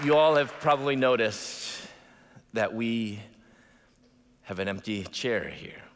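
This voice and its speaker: A man with an American accent speaks at a fairly slow pace, leaving long, frequent pauses. There is noticeable background noise and audible room echo. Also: medium pitch for a man, ordinary pitch variation, big swings in loudness. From US Midwest (Chicago suburbs). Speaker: preacher and author. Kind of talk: sermon. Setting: church.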